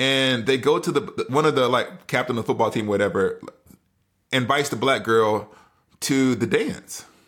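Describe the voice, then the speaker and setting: A man with an American accent uses a normal speaking voice, medium pitch, lively intonation and a moderate pace. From US South, Alabama. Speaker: New Testament professor and author. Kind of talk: interview.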